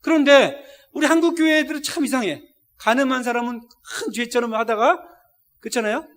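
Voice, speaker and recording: A man's voice: very high voice, brisk, fairly bright tone. A middle-aged man preaching a sermon as a missionary, telling a story with feeling and speaking straight to the congregation. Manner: emotional storytelling, directly addressing the congregation. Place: church service.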